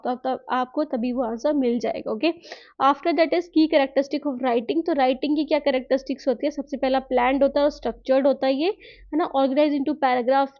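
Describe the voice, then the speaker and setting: In a recorded lecture, a woman teacher mixes Hindi and English, slowly reading out points and then explaining them chattily with frequent tag questions. Her voice sits high, and the recording is dull and lo-fi.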